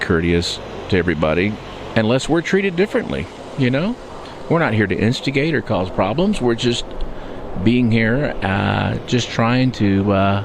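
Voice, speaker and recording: A man with an American accent and a fairly low pitch speaks at a moderate pace in a relaxed tone, with lively intonation and very even loudness, over noticeable background noise. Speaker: first amendment auditor. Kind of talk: casual vlog talk to camera. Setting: outdoors. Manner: relaxed, with frequent fillers.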